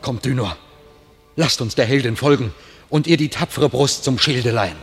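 An actor playing a loyal, protective French knight in a classic radio drama, declaiming verse earnestly. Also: male voice, medium pitch, moderate pace, husky. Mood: gallant. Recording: reverberant hall sound, music.

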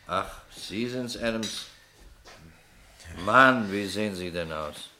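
A worldly homicide detective: very deep, forceful voice, blunt, sardonic, probing. Radio play. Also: male voice, slow pace, slight background noise, full character voice. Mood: wry, weary. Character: sharp, sceptical, worldly city homicide investigator. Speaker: actor in a radio crime play. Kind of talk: German radio crime drama acting.

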